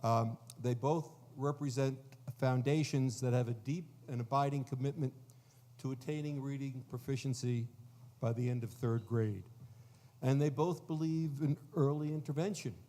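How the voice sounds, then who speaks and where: A man moderating a conference panel, introducing the guests formally in a measured way with frequent fillers. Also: mid-range voice, dark tone.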